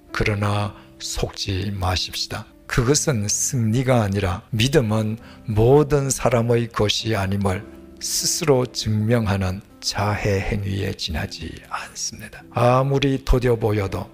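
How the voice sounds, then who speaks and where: An older male pastor delivering a measured, earnest sermon, often dropping to a hushed whisper at the ends of sentences, on a headset mic. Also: fairly low pitch. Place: plain studio stage, indoors.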